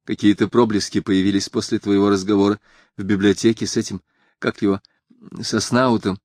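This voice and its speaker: A man's voice: fairly low pitch, flat delivery, fairly quick, darkish tone, no echo, natural voice. A man voicing a fragile, distraught young woman in an audiobook, her pleas tearful and breaking. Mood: quiet confession. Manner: tearful, breaking, repetitive pleading.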